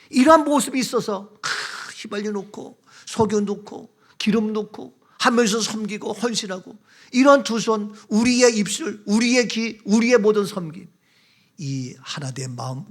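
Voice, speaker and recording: A man's voice: high-pitched, expressive, moderate pace. A man preaching a sermon as pastor, emphatic, repeating key phrases and asking the congregation questions. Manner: acts out everyday quarrels in short quoted remarks.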